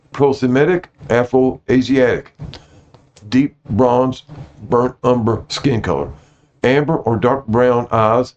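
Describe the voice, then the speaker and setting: This host has a mid-range voice with a slightly mellow quality as he reads notes to viewers informally. Now and then he fumbles a word and goes back to correct it, apologizing for his pronunciation. The audio is dull and lo-fi.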